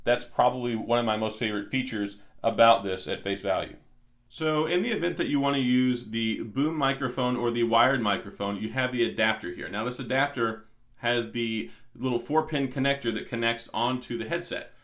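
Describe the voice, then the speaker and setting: A man's voice: medium pitch, normal speed, a bit bright. Man casually walking through a product unboxing. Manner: explanatory, step by step. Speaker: product reviewer.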